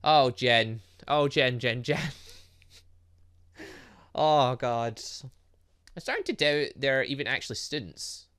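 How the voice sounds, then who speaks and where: Male let's-player: bright, punchy, very lively intonation, exclaims at the game as he plays. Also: mid-range voice, slow pace, long pauses, clear, resonant tone. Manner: exclamatory, talks to the game's characters. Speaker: gaming video host. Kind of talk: lively let's-play commentary, reading game dialogue aloud.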